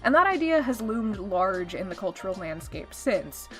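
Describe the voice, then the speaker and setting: A woman's voice: mid-range voice, sing-song, moderate pace, soft background music. A woman delivering a scripted video essay with wry, conversational commentary and sarcastic asides.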